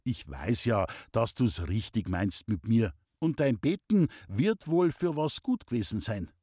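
A man reading an audiobook, voicing a calm young woodcarver with a Bavarian accent, gentle and coaxing. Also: on the low side, unhurried, slightly rough, no room sound, clean studio sound, heavily acted.

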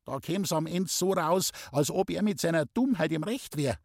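A man reading an audiobook, voicing a sharp-tongued old village mother in a Bavarian accent, fussy and scolding. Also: a little high, normal speed, vocal fry, no echo, clean studio sound, pitched above the performer's own voice. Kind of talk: audiobook character voice.

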